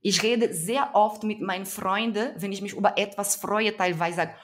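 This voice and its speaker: A woman's voice: medium pitch, fairly even intonation, normal speed. A young adult woman from Brazil speaking with a Brazilian Portuguese accent, talking earnestly and emphatically as an activist guest in an interview, often searching for her words. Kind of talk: conversational interview.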